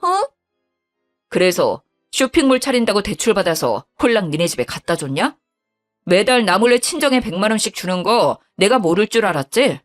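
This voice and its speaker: A woman voicing an angry young husband who scolds bluntly in a lowered voice. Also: sing-song, moderate pace, soft background music, lightly acted.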